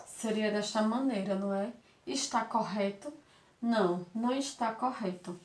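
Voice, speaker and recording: A woman's voice: medium pitch, moderate pace, a little mellow, a little hiss or hum. A Brazilian woman teaching a lesson to young children, affectionate and patient, repeating words and asking rhetorical questions. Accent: Brazilian Portuguese.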